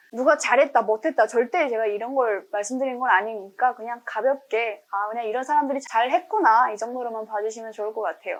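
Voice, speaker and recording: A woman with a fairly high pitch and an unremarkable speaking voice talks at a fairly quick pace with hardly any pauses. Her pitch variation is ordinary. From Pyongyang, North Korea. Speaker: North Korean defector. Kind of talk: casual talk to camera.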